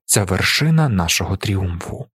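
A man narrating a story in an audiobook reading, lively and storytelling, raising his voice for the characters' shouts. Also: sits low, normal speed, husky, no room sound, clean studio sound.

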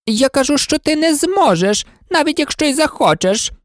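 A woman's voice: high voice, lively intonation, moderate pace, no room sound, studio quality, pitched above the performer's own voice. Red Queen, a bossy scolding queen, as a woman puts her on. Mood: lecturing. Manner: scolding, impatient, commanding. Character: bossy, imperious older queen.

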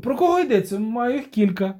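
A man's voice: very high-pitched, expressive, a little fast, warm tone, voice pushed up. A man voicing a vain, boastful young bard with a theatrical, sing-song delivery. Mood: nervous. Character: vain flamboyant young male bard, cheeky showman.

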